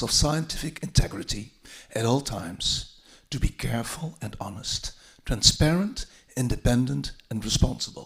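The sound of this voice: In a put-on character voice, a man speaks at a moderate pace with a hoarse, medium-pitched sound.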